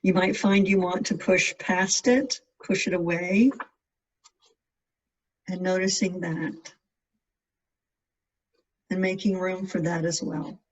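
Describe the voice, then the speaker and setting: A meditation guide giving gentle, measured instructions in spaced-out phrases. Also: mid-range voice, fairly even intonation. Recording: distant mic, dull lo-fi sound.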